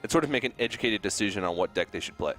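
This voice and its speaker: Fast-talking male esports caster. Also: lowish voice, lively intonation, a bit bright, soft background music. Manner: clear and explanatory. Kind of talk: explaining tournament format.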